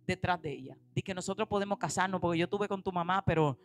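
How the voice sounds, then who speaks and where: Animated woman pastor preaching. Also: on the low side, fast. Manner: animated preaching, acting out quoted voices; swings between loud emphatic lines and quiet asides. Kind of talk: sermon.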